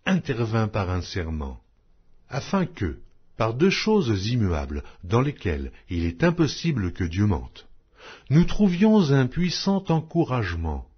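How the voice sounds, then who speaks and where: A man reading scripture aloud as an audiobook, in a solemn, measured, declamatory way. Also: medium pitch, slightly rough, muffled recording. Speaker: audiobook Bible reader.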